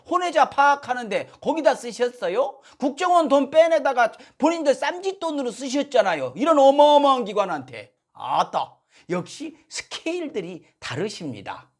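A man in his speech, hosting a satirical political monologue. He is sarcastic and mock-polite, indignant outbursts. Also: extremely high pitch. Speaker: political commentary host.

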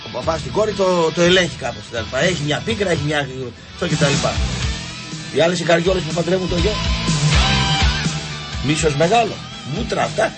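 A man's voice: fairly high pitch, pauses often, music in the background. A man telling comic anecdotes on a radio show, acting out voices in his stories. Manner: animated, acts out voices in anecdotes. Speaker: radio show guest storyteller. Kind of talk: casual comic storytelling. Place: radio studio.

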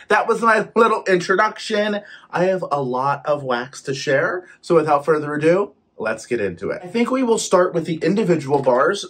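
A young man chatting casually as he reviews home fragrance products, talking with his hands at a desk in his living room. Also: on the high side. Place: living room with shelves behind.

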